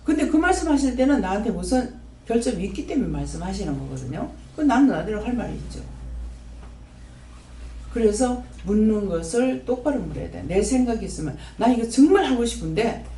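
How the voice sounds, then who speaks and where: Gyeongsang woman pastor, lively sing-song delivery, folksy, acts out dialogues, mic off at a distance in a reverberant hall. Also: mid-range voice, brisk, a little hiss or hum. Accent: Gyeongsang Korean. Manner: animated, folksy, acts out her prayers and God's answers. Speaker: preacher at a prayer house. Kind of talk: sermon. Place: prayer house hall.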